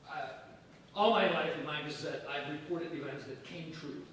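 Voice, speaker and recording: An actor in a staged reading playing a hesitant, obliging small-town newspaperman with a halting manner. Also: on the high side, fairly bright tone, close to an everyday voice. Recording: reverberant hall from far off, faint noise.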